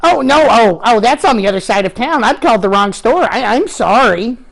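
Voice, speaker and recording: Man as elderly lady, high swooping pitch, fussy, chatty, rambling, self-justifying, sketch comedy. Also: expressive, brisk, vocal fry, a bit bright, full character voice, low-quality recording. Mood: flustered. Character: fussy, chatty old woman phoning the grocery store. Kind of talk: comic character monologue.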